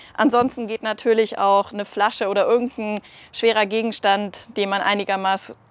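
A woman at a moderate pace in a dry sound with no echo. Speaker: fitness trainer. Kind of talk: workout tutorial intro. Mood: friendly, upbeat. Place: open country. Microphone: lapel.

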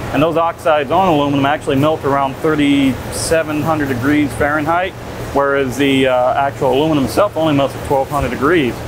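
Noticeable background noise sits under a man talking at a fairly quick pace. His intonation is fairly even and his loudness very even. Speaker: welding instructor. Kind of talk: tutorial. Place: workshop. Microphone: lapel.

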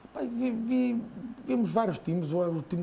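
A man speaks with lively intonation at a fairly slow pace. Light background noise is present. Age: 40s. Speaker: yacht club commodore; interview guest. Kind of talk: TV interview. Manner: halting, many repetitions. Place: studio. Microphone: lapel.

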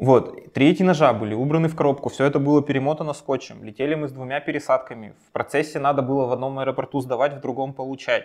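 Barely pausing, a man rushes along at a very fast pace in a fairly high voice. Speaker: knife collector and knife thrower. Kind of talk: casual interview chat. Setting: studio.

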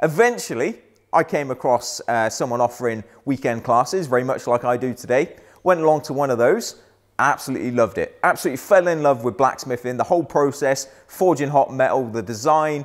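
A man's voice at a fairly quick pace, with ordinary pitch variation, over a quiet background. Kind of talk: personal story talk to camera. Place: workshop. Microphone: lapel.

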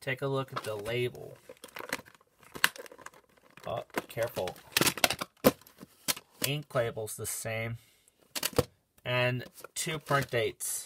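Loud noise fills the background. The speech moves at a very slow pace. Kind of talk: casual show-and-tell narration. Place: home room. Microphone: phone near.

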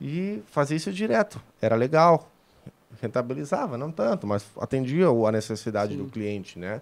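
With very wide pitch swings around a medium pitch, a man speaks at a moderate pace. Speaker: podcast host and motorhome company director; podcast host. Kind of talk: casual panel discussion. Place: studio. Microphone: studio mic.

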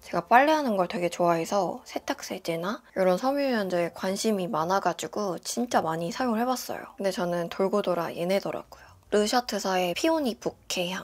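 A woman speaks at a moderate pace with a medium pitch. Her intonation is lively, and she hardly pauses at all. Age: 20s. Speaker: beauty and lifestyle YouTuber; lifestyle vlogger. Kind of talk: product review vlog. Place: home room. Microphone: lapel.

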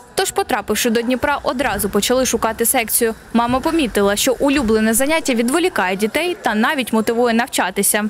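Lively intonation runs at a fairly quick pace with hardly any pauses. Loudness stays very even over noticeable background noise. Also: woman, high pitch for a woman. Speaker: TV news reporter. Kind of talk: scripted narration.

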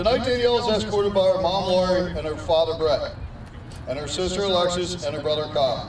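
A man's high voice at a fairly quick pace, with noticeable background noise. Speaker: event announcer. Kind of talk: formal announcement reading. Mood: warm, celebratory. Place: stadium.

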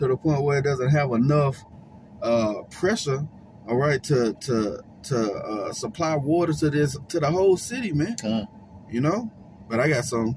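A man talks at a moderate pace with lively intonation. Noticeable background noise runs behind him. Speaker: religious commentator. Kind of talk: commentary with scripture reading. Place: car. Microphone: phone near.

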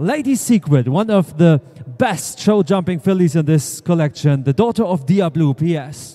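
Against a quiet background, a man with a high pitch talks at a very slow pace with lively intonation and hardly any pauses. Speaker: auctioneer. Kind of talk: auction presentation. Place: hall. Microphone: handheld.

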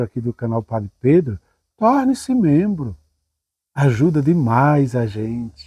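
Against a quiet background, a man speaks at a fairly slow pace with lively intonation. His medium-pitched voice is somewhat breathy, with a dark, mellow tone. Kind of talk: casual religious teaching talk. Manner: warm, animated. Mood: warm, friendly. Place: garden. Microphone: lapel.

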